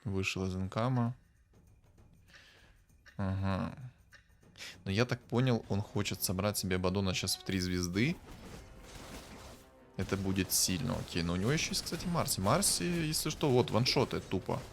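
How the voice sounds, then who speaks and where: A man casually commenting on a strategy game as a streamer, thinking aloud and breaking into bursts of excitement. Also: low voice, normal speed, gravelly, long pauses, soft background music. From Ukraine.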